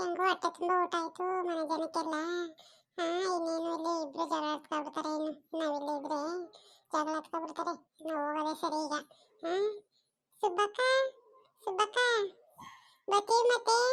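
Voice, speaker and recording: A cartoonish character voice from a woman, extremely high-pitched, at a moderate pace with ordinary pitch variation, on a very clean recording with a silent background. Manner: breezy, chatty.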